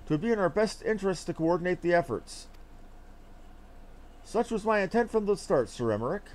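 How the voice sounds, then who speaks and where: A man reading a fantasy game script aloud in a formal, theatrical, measured delivery. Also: high voice, expressive, a little mellow, a little hiss or hum.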